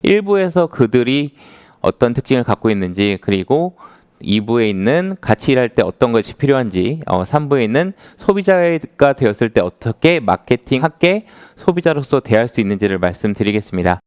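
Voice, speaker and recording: Animated lecturing man in his thirties. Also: medium pitch, normal speed, clear, resonant tone, no room sound. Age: 30s. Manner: conversational, asks the audience questions. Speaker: author giving a lecture. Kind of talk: lecture to a live audience.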